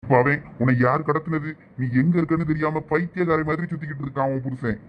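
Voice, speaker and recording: A man's voice: fairly high pitch, steady tone, quick pace, highs cut off, slight background noise, natural voice. A man playing an obsessive, menacing kidnapper villain who gloats and threatens in a village drama. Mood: gloating.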